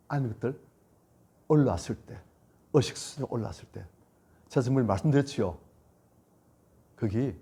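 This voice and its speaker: A male pastor preaching a sermon, emphatic and repetitive, swinging between loud lines and hushed ones. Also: mid-range voice, husky. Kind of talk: sermon at a church retreat.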